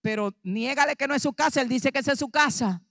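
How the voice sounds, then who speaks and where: A woman pastor with a Dominican Spanish accent preaching an animated sermon, acting out dialogue and rising to shouts. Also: high-pitched, fast talker, no room sound, studio quality. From Dominican Republic.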